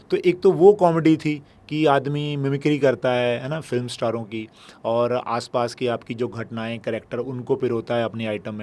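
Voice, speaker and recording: Here is a man with a plain, everyday voice. His pitch is medium, with ordinary pitch variation. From Punjab, Ludhiana. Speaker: comedian. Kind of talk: interview.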